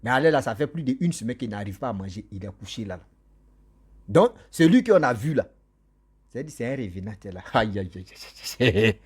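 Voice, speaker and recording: A man's voice: medium pitch, sing-song, normal speed, breathy edge. A man telling a ghost story casually, laughing often and acting out the people in it.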